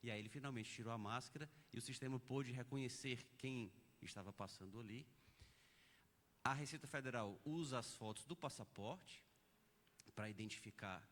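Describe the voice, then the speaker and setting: A man's voice: mid-range voice, a little fast, fairly bright tone. Brazilian man lecturing in a reverberant hall. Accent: Brazilian Portuguese. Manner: didactic, explains step by step with examples. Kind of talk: academic conference lecture. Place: conference auditorium.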